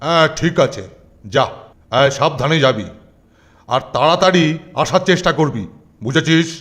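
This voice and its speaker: A man's voice: a little high, expressive, normal speed, fairly bright tone. A man voicing a stern but kindly schoolmaster in a children's cartoon.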